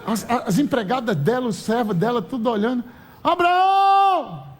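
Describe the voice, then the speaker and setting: A man with a Brazilian Portuguese accent preaching a lively, humorous sermon at a church conference. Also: extremely high pitch, fairly quick, some chatter behind, a little hiss or hum. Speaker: pastor.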